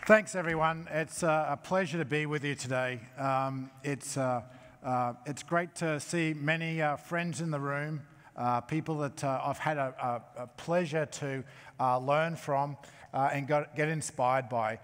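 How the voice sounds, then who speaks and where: A man giving a conference keynote as technology chief, talking in a halting way with many fillers and restarts. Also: on the high side, fairly bright tone, smooth. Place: large conference hall. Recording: long hall reverb.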